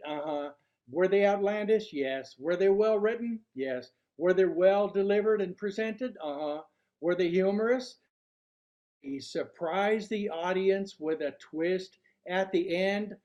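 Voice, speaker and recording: An older man giving a prepared club workshop talk in a deliberate, showman-like way, posing rhetorical questions. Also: sits high, darkish tone. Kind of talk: prepared public speech to a club audience. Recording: dull, lo-fi sound.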